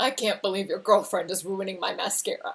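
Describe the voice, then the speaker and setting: A woman puts on a raspy character voice in a medium pitch. She speaks at a fairly quick pace with fairly even intonation. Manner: sheepish, joking through tears.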